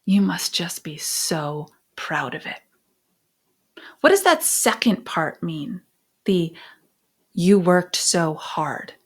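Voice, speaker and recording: A middle-aged American woman sharing personal stories and parenting advice as a podcast host, phrasing things emphatically with deliberate pauses. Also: lowish voice. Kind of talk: conversational advice and personal storytelling.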